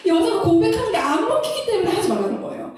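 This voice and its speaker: Animated high-voiced woman in echoey room. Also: fast, recorded from a distance. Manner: animated, laughs often, acts out couples' lines. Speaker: Christian counselor. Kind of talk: lecture-style talk.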